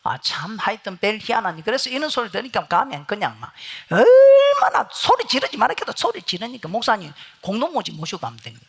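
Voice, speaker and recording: Husky gyeongsang lady pastor preaching in church, gravelly, goes loud then quiet. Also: on the high side, wildly swooping pitch, fairly quick, few pauses. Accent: Gyeongsang Korean. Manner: storytelling, swings from loud to hushed. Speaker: guest pastor. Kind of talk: revival sermon. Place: church sanctuary.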